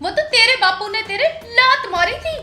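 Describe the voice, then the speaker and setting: A woman's voice: extremely high pitch, expressive, normal speed, reverberant, over music. An actress playing a fed-up Haryanvi village wife and stepmother who scolds and wails, in a Haryanvi accent. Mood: scolding. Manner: scolding, wailing complaints.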